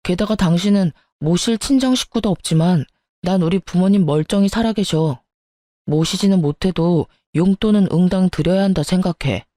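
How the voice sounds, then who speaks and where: A woman's voice: lowish voice, normal speed, dark tone, no echo, clean studio sound, lightly acted. A woman voicing a greedy, demanding young husband who talks in a petulant, accusing way. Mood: whiny.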